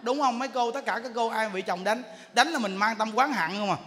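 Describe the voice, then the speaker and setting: A man's voice: very high voice, fairly quick. A man, a Buddhist monk giving a humorous dharma talk, acting out little scenes as he tells them. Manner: animated storytelling, acts out quarrels, laughs often. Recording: long hall reverb, faint noise.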